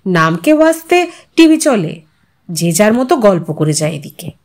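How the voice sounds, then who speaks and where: A woman's voice: medium pitch, sing-song, moderate pace, a little mellow. A woman reading a literary story aloud as a narrator, in a dramatized, musing manner. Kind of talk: expressive scripted story narration.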